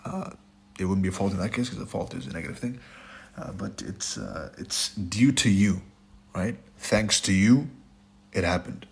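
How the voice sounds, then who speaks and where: A trading instructor with a very deep voice, now raspy and hoarse from a sore throat, lectures bluntly over slides at a moderate pace. He hammers his points with short repeated phrases, often tacking on "right?" and saying "it's your fault."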